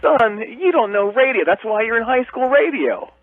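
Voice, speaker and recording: A man's voice: very high voice, big pitch swings, moderate pace. Give me a needling man caller heard over a radio phone line. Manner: teasing, needling, mock-bossy. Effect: voice heard over a phone line on a radio broadcast. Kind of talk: call-in radio banter.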